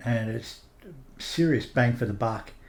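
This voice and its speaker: The man's voice has some breathiness. His pitch sits in the medium range. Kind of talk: casual flight-sim commentary. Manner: rambling, chatty.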